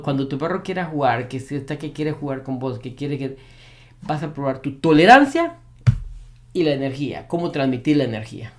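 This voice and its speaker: A man who trains dogs giving an advice monologue to camera, repeating his key points with emphasis. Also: mid-range voice. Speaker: dog behavior trainer.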